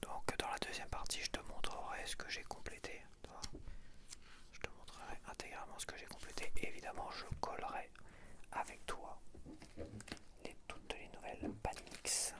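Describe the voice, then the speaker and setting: A man whispering gently throughout an ASMR video, chatting and slowly counting aloud as he sorts stickers. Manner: soft unvoiced whisper throughout. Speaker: ASMR creator. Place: home setup with softbox lighting.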